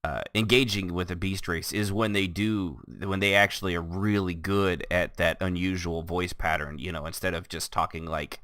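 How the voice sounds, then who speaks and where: A man hosting a casual gaming podcast, rambling and restarting his sentences, quick to laugh. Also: low-pitched, fairly even intonation, pushed and bright, dry recording, studio quality. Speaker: podcast host. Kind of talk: casual chat.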